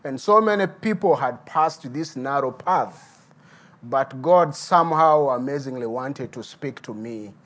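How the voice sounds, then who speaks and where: A man's voice: mid-range voice, expressive, a little slow, fairly bright tone. Earnest man preaching. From Uganda. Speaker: guest pastor. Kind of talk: sermon with personal testimony.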